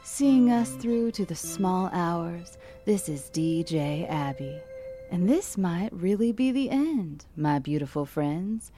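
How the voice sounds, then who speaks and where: An actress playing a calm, wry late-night radio DJ who keeps a steady on-air delivery. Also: female voice, lowish voice, slow pace, music in the background. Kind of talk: radio drama acting.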